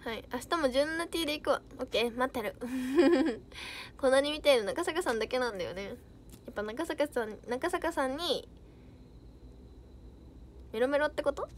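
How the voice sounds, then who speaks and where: A woman's voice: sits high, expressive, normal speed, pauses often, slight background noise. A young woman idol chatting casually on a livestream, reading out viewer comments with bubbly giggles.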